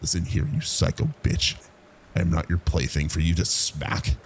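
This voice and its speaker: Man voicing a strained, gravelly captive young woman. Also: deep voice, very animated, normal speed, slight background noise, pitched above the performer's own voice, heavily acted. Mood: defiant. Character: frightened but defiant captive young woman. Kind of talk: horror story character voice.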